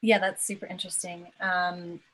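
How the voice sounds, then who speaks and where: Woman, reflective interview guest, soft-spoken, video call sound. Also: lowish voice, level tone, moderate pace, poor audio. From England. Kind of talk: casual interview chat.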